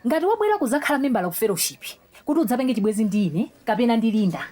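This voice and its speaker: A woman's voice: on the high side, big pitch swings, rapid-fire, a little mellow. An actress playing a scornful young pious female student in a radio drama, with a Malawian accent and a blunt, scolding, mocking way of talking. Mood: stern, dismissive.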